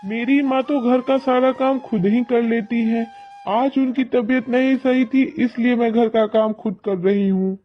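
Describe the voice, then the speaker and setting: Brief: a man playing a sweet, humble village girl for a cartoon story, soft and unhurried, muffled lo-fi audio. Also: extremely high pitch, steady tone. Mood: gentle. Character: kind, gentle poor young girl. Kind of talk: animated storybook narration. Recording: dull lo-fi audio, faint music.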